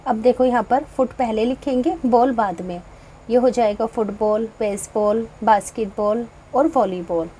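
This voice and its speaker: A woman teacher with an Indian accent, explaining homework answers and reading English lines slowly before explaining them in Hindi. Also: fairly high pitch, dark tone, slight background noise, rough recording. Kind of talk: homework walkthrough lesson.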